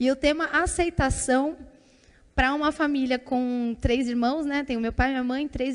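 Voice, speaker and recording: A shrill, high-pitched woman at a fairly slow pace with ordinary pitch variation. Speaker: church preacher. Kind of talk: sermon.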